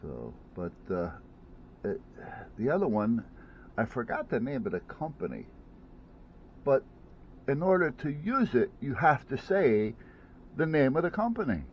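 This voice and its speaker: A man's voice: mid-range voice, very animated, unhurried, long pauses, dull audio, a little hiss or hum. A man chatting casually at home about a headset he bought, rambling, with many restarts and fillers. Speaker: vlogger reviewing gadgets. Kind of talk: casual unboxing chat.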